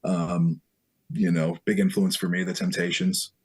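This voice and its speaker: A male musician talking easily as a podcast guest. His voice is low and husky. He speaks in a relaxed, unhurried way. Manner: laid-back, easygoing. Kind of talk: casual interview chat.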